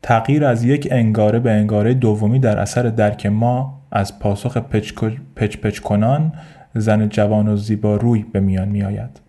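This podcast host is a man speaking with a Persian accent in a relaxed solo show. His lowish voice sounds steady and warm as he rambles through his thoughts, often restarting and leaning on fillers.

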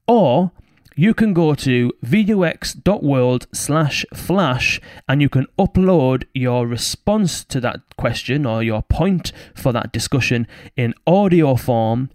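A man hosts a podcast and welcomes his guest. He talks quickly and with upbeat emphasis, his voice recorded dry and close, with no room sound. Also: medium pitch, expressive, a little mellow, no room sound. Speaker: podcast host. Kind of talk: podcast hosting and interviewing.

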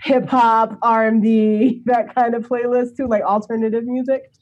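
A woman's voice: fairly high pitch, level tone, moderate pace, highs cut off. A woman with a big voice, a singer chatting in an interview, hesitant with many fillers and laughs, a little sick. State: sick, not warmed up. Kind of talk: casual interview chat.

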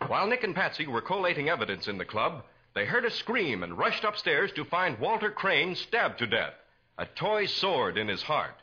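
A man's voice: fairly high pitch, huge pitch swings, moderate pace, bright, forceful tone, breathy edge. A man narrating a scripted crime drama as a 1940s radio announcer. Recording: dull 1940s radio recording.

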